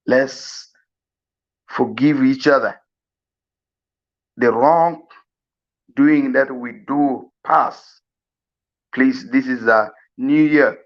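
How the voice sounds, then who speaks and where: A man from South Sudan giving a slow, earnest farewell address, pleading with many pauses. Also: fairly high pitch. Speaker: mourner giving a eulogy. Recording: dull lo-fi recording.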